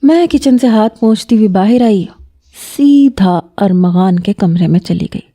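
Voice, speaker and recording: A woman narrating a first-person romance novel in a calm, measured way. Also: mid-range voice.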